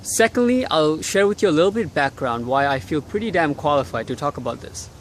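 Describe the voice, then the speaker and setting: A young adult man from Bangladesh, outdoors in cold city air, records a casual motivational vlog, swearing freely and not mincing words. He's expressive and talks a little fast in a slightly high male voice, with faint traffic in the background.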